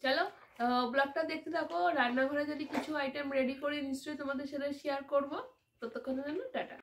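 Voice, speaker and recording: A woman's voice: high-pitched, steady tone, quick pace, a little hiss or hum. A woman chatting casually to her viewers in a home vlog, talking to them like friends. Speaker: vlogger. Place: rooftop and home.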